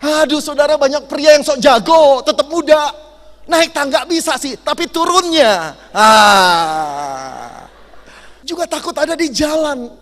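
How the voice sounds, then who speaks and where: Middle-aged male pastor, comic storytelling sermon, high lively delivery in a reverberant hall. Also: normal speed. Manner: animated, jokey, acts out dialogue and sound effects. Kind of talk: lively sermon with acted-out stories. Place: large hall at a youth camp.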